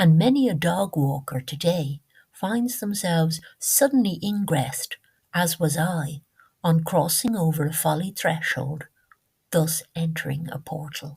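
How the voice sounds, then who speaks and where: This woman has an Irish accent, a fairly low pitch and a somewhat breathy voice. She talks at a fairly slow pace with lively intonation. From Ireland. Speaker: painter. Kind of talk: ghost story narration.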